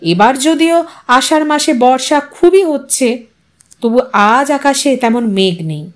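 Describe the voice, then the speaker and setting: A woman narrating a scripted literary audio story in an expressive, dramatic storytelling manner. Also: sits high, slow.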